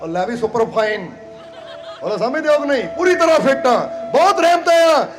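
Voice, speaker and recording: With music playing behind him, a Punjabi spiritual leader from India preaches to his flock in a brisk, very high-pitched voice full of big pitch swings. His manner is playful and coaxing: he laughs between lines, repeats phrases, and keeps asking whether they understand.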